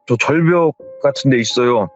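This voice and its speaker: A man's voice: medium pitch, normal speed, close to an everyday voice. A man voicing a bewildered young employee who stammers politely, in a slightly dull recording with faint music behind. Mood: dazed deferential. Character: dazed young male employee, nervous and deferential.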